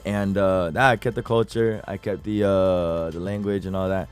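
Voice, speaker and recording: A young man from Puerto Rico, a guest artist, telling his music story in a relaxed interview chat with easy laughs. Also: sits low, normal speed, clean tone. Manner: laid-back, laughs between stories.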